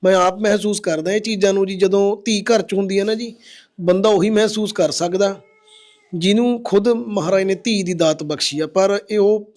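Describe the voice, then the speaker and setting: A man's voice: sits high, moderate pace, darkish tone. A Punjabi-accented man hosting a charity video, consoling a family and appealing to viewers. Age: adult. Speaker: social-service video host. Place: outdoors at a village home.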